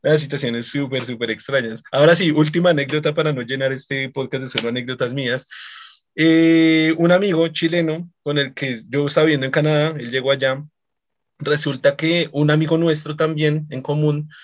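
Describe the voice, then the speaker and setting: A man's voice: fairly high pitch, normal speed. A young Colombian man with a Colombian accent, hosting a podcast and telling casual anecdotes in a rambling way, repeating words and chuckling. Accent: Colombian Spanish. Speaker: podcast host. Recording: slightly dull lo-fi podcast audio.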